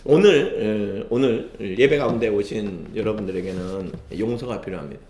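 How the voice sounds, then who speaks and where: A man's voice: lowish voice, moderate pace, a little mellow. A male pastor preaching a sermon, telling a story with many affirming interjections. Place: church sanctuary. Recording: echoey church sanctuary.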